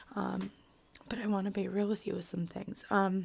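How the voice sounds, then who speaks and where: A woman speaks in a medium pitch with monotone, flat intonation. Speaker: beauty and board game vlogger. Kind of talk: casual vlog talk. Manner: hesitant, many fillers.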